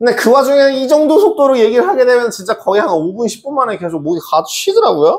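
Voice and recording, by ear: A man's extremely high voice swings very widely in pitch.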